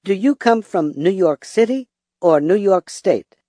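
Guy playing a polite caller from china, husky voice, kinda low, swoops around. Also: animated, warm tone, dry recording. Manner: slow, simple sentences. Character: polite Chinese male caller, beginner English. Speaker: listener caller on a radio show. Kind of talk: scripted language-lesson dialogue.

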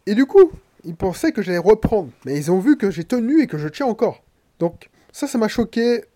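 A man's voice: high-pitched, sing-song, moderate pace, mellow. A man from Martinique with a head cold, a podcaster and coach talking bluntly and slangily straight to the listener in a casual monologue.

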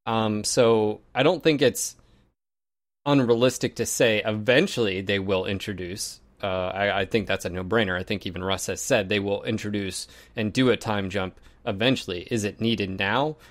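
A man who streams, co-hosting a casual gaming show in a relaxed, loose way. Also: lowish voice, moderate pace. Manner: relaxed, loose, says like a lot. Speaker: streamer and co-host. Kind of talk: casual chat.

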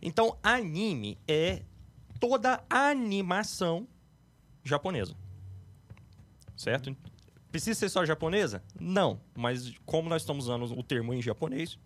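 A man's voice: fairly high pitch, expressive, moderate pace, pauses often, a bit bright. A Brazilian man explaining anime patiently in a casual podcast chat. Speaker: anime guest expert.

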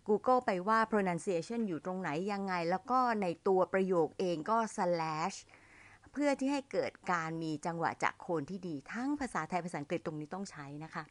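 A middle-aged woman with a Thai accent gives a warm, chatty lesson on hosting events, speaking to her listeners like an older sister. Her voice sits at an ordinary pitch. The recording is dry and close, with no room sound. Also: dry recording. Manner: friendly, addresses listeners as younger siblings, slows to model English phrases. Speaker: MC trainer teaching younger listeners. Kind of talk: casual spoken lesson.

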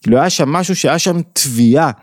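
A man giving a Torah lesson, acting out the quoted dialogue between figures with lively rises in pitch. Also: no room sound, studio quality. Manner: animated, acts out quoted dialogue with rising pitch. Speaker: teacher.

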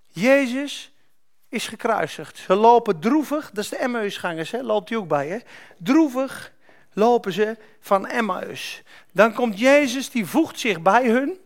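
High-voiced fervent male preacher. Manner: emphatic storytelling preacher who builds to loud, fervent peaks. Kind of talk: sermon.

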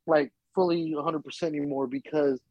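A young man, a guest on a casual podcast, who tells football fan stories in an animated, rambling way and swears freely. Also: on the high side, brisk, dry recording, lo-fi sound. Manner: animated, profane, rambling storyteller.

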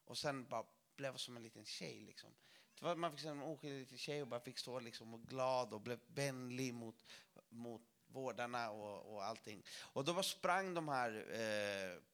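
A man preaching to a church audience, telling a testimony story in a lively way with self-mocking jokes. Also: medium pitch.

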